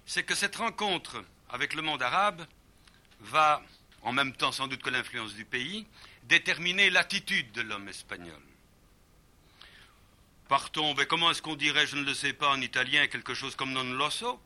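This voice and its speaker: Lively, piercingly bright male lecturer. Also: a little high. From Brazil. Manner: demonstrative, acts out the sounds of words, many pauses. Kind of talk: lecture on the sound of languages.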